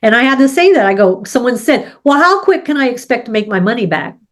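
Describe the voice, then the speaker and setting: A woman's voice: fairly high pitch, very animated, fast. A middle-aged woman with a head cold co-hosting a casual business chat, explaining her points with examples and often asking "right?". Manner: explains with sports and farming examples, asks "right?". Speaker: co-host.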